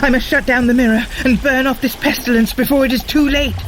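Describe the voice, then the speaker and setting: An actress playing a grave, cautious, commanding Norse goddess in an audio drama, with measured, formal, archaic speech. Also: female voice, sits high, steady tone, very noisy, natural voice. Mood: urgent, alarmed.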